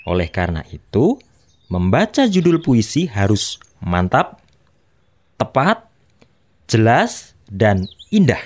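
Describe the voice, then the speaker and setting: A man's voice: on the low side, takes it slowly, pauses often. A man teaching students how to read poetry aloud, explaining patiently. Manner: patient, explanatory, lively intonation.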